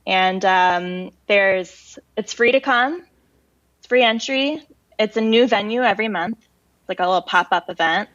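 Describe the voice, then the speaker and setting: A woman's voice: medium pitch, a little slow, fairly bright tone, no room sound, dull audio. A woman guest on a casual podcast chat, talking freely and filling gaps with "like" and "um". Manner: chatty, explains with "like" and "um". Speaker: podcast guest, creative community organizer.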